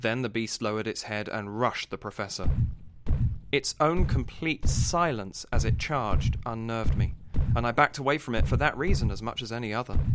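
With music in the background, a man at medium pitch talks at a fairly quick pace with lively intonation. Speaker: podcast host and narrator. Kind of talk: horror audiobook narration, first-person.

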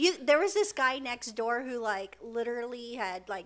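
A woman with a high-pitched, animated voice talks at a moderate pace on a very clean recording with a silent background. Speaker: podcast co-host, parent. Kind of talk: casual chat. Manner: animated, jokey.

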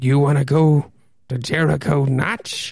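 Quiet and low-to-middle in pitch, a put-on character voice moves at a fairly slow pace. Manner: wary, uneasy.

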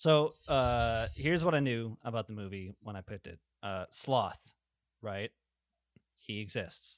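A man with a medium pitch and lively intonation speaks at a fairly slow pace, with long, frequent pauses and big swings in loudness. The sound is dry and close, with no echo. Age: 30s. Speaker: podcast host. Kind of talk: casual chat. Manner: animated.

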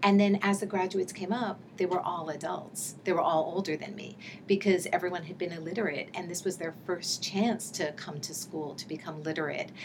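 A woman with an American accent and a medium pitch speaks at a fairly quick pace with hardly any pauses, fairly even intonation and big swings in loudness, over noticeable background noise. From New York City. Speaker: law professor. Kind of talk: interview.

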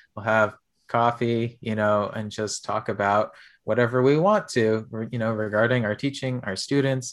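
A man with an American accent and an unremarkable speaking voice, medium pitch, ordinary pitch variation and a moderate pace, over a quiet background. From US. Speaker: piano teacher and podcast co-host. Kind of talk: interview.

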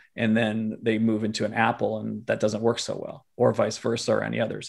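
A man talks at a fairly quick pace, his medium-pitched voice showing vocal fry. The recording is very clean and the background silent. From Latin America (Colombia, Brazil), born in Boston. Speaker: cross-cultural consultant and speaker. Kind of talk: interview conversation.

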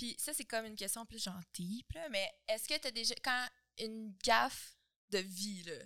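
A woman speaks at a moderate pace with a Quebec accent. Her pitch is fairly high. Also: ordinary pitch variation. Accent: Québécois French. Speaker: podcast host. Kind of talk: casual chat. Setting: studio.

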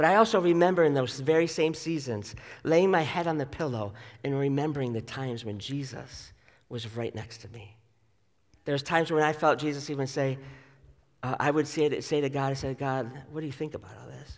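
With a plain, everyday voice and an American accent, a man speaks at a fairly quick pace and a fairly high pitch, his loudness swinging widely while his pitch varies in an ordinary way, on a very clean recording with a silent background. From US Northeast, Syracuse area. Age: 40s. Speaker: pastor. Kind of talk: sermon. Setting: church.

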